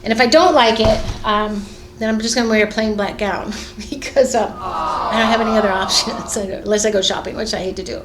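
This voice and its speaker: A woman's voice: medium pitch, steady tone, a little fast, noisy background. Chatty middle-aged woman in an echoey sewing room. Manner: chatty, rambling, many fillers and restarts. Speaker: fashion designer and sewing vlogger. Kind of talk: casual chat while sewing. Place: sewing studio indoors. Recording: echoey room with faint ambience.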